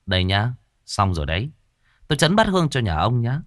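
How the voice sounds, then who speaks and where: A man playing a brisk, confident male exorcist who gives firm instructions. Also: medium pitch, sing-song, no room sound, clean studio sound, natural voice.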